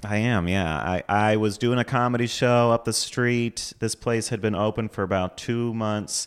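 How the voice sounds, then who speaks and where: A man with an American accent and a plain, everyday voice, fairly low in pitch, at a moderate pace with hardly any pauses, very even loudness and fairly even intonation. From Florida. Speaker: comedian and former pizza restaurant owner. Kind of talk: casual chat.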